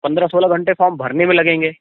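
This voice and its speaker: A man's voice: fairly high pitch, fairly even intonation, quick pace, no room sound. A man on a recorded phone call, explaining work grievances in a matter-of-fact, explanatory way. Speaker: election field worker being interviewed. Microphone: phone line.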